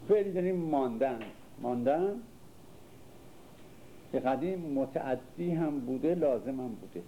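An older man lectures a class in a very dark, mellow voice. He recites lines of classical verse, then unpacks them in relaxed everyday speech and puts questions to the room. A faint hiss runs beneath the recording. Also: a little high, low-quality recording. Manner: reads verses, then explains them in casual speech and quizzes listeners. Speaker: literature teacher. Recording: faint background noise.

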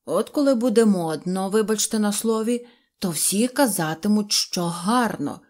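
A woman voicing a cheerful, boastful little fairy-tale man who speaks loudly and excitedly, forever apologising for his words. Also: high voice, normal speed. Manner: loud, excited, ever-apologetic phrasing.

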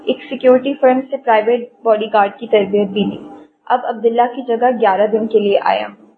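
Brief: eager, deferential young man, read by a woman, high-pitched, tinny audio. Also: steady tone, close to an everyday voice. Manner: polite, deferential. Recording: tinny phone-like audio, faint hiss.

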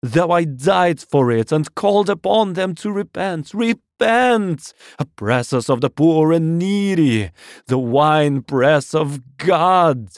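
A man narrating an audiobook, voicing a half-mad, fervent curate who declaims loudly like a wailing preacher. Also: a little high, lively intonation, slow, no room sound, studio quality, pitched above the performer's own voice. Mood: anguished repentance. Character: half-mad, fervent male curate crying doom and repentance. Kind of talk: audiobook character acting.

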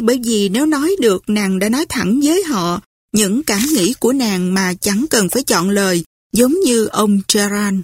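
A woman reading a novel aloud as audiobook narrator, in steady scripted narration. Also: on the high side, breathy edge, dry recording, studio quality. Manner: steady storytelling.

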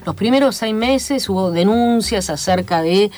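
A woman from Chile with a Chilean Spanish accent, a guest in a radio studio interview, talking in a measured, lecturing way full of fillers. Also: mid-range voice, animated, darkish tone, a little hiss or hum. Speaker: guest, academic commentator. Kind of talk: radio interview, analytical talk.

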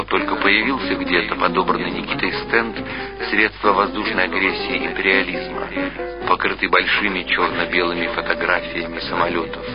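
A man reading literary fiction aloud as a narrator, with measured, expressive dramatic storytelling. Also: deep voice. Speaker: audiobook narrator. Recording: muffled radio-style sound, music behind. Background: clear background music.

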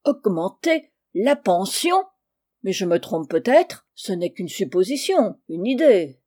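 A woman voicing a miserly, spiteful older woman who talks in a shrill, hasty and grasping way. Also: very animated, a little slow, mellow. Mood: scheming.

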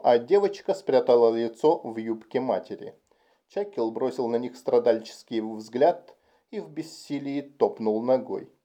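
A man narrating a science fiction audiobook in a calm, even storytelling manner. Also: medium pitch. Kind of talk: amateur audiobook reading. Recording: dull home recording.

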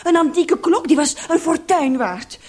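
An actress playing an excitable, indignant woman who has been robbed, in a Dutch radio play. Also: high-pitched, normal speed, natural voice. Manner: exclamatory, agitated. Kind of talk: Dutch radio drama acting.

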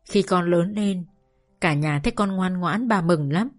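A woman voicing a gentle grieving father. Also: fairly low pitch, a little slow, faint music behind, natural voice. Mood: sorrowful. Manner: soft, pleading, sighing. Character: gentle sorrowful father, older man.

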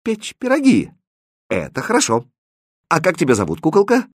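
Man playing a mocking court jester from a storybook, husky, voice swinging widely. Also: a little high, huge pitch swings, moderate pace, no room sound, studio quality, pitched above the performer's own voice, exaggerated voice. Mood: playful. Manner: teasing, playful.

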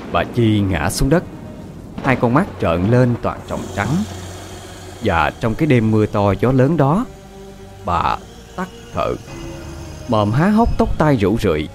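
Animated man narrating a ghost story. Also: lowish voice. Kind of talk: scripted horror story narration.

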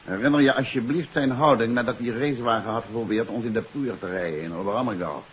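An actor playing a confident detective who explains a case in an assured, emphatic way, in 1950s radio drama style. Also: male voice, medium pitch, fast, close to an everyday voice. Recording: dull, hissy 1950s radio recording.

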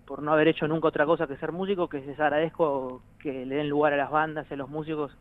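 A man's voice: fairly high pitch, flat delivery, quick pace, narrow, tinny audio. A man in his thirties with an Argentine accent, a musician guest who rambles, jokes and laughs often in a casual interview chat. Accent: Argentine Spanish. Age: 30s.

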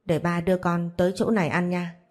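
A woman voicing a stern, quick-tempered young father who scolds curtly, in a storybook reading. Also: fairly low pitch, level tone, darkish tone, lightly acted. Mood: gentle. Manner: curt, scolding.

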